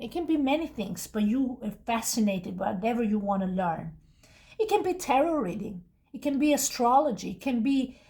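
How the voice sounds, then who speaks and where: Here a woman does a loose, meandering tarot reading, often restarting and wandering into asides. She speaks English with a non-native accent, and her voice is slightly high and slightly mellow.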